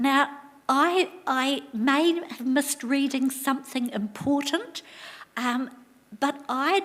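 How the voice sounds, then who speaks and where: A woman with a New Zealand accent speaks at a fairly slow pace in a high voice, her pitch varying in an ordinary way. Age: 80s+. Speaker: member of the public making a submission. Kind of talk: public hearing submission. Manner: halting.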